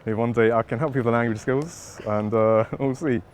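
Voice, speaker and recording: A man's voice: mid-range voice, a little fast, a little hiss or hum. A man chatting up a stranger outdoors on a street, hesitant, with rising inflections. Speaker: coaching client approaching a stranger. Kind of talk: casual street conversation.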